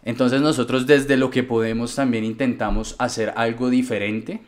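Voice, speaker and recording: A man with a Colombian accent, a DJ guest telling stories in a casual, relaxed interview with many fillers. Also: medium pitch, normal speed. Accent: Colombian Spanish. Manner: relaxed storytelling with frequent fillers.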